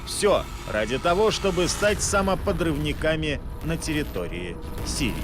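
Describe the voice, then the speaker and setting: High-pitched, animated male documentary narrator. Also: normal speed, over music.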